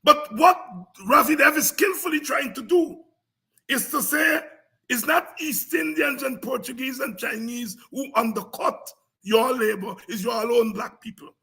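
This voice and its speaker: With a Guyanese accent and a raspy, gravelly voice that is very high-pitched, a programme host delivers an impassioned, informal history lecture. He is emphatic, combative and repetitive, speaking at a measured pace in a bright, forceful tone.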